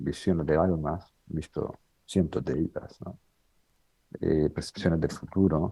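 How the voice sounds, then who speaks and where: Very deep and low in pitch, a man with a dark, mellow tone and vocal fry talks at a fairly slow pace with fairly even intonation and long, frequent pauses. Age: 60s. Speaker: regression therapist and psychologist. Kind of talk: conference talk. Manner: hesitant, many fillers.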